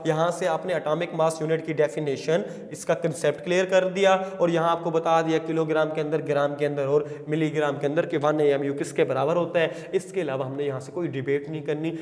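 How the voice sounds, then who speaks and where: A man's voice: on the high side, flat delivery, a little fast, few pauses, a little mellow, big-room sound. A middle-aged man with a Pakistani Urdu accent gives a chemistry entry-test lecture, coaxing students and dictating English definitions word by word. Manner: coaxing, calls students beta, asks and answers questions.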